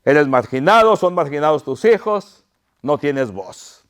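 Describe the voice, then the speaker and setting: Slow, clear-voiced man preaching a sermon. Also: a little high, very animated. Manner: impassioned preaching, crying out quoted pleas; addresses the congregation as brothers. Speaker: pastor.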